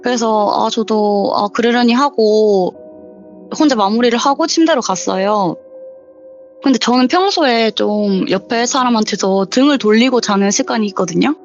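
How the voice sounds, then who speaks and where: Young woman, slightly high voice, chatty storyteller who acts out the dialogue; dull lo-fi recording with faint music behind. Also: moderate pace. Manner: chatty, acts out the quoted lines with sudden rises in pitch. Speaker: guest telling a viewer's true horror story. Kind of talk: casual spoken storytelling in an interview.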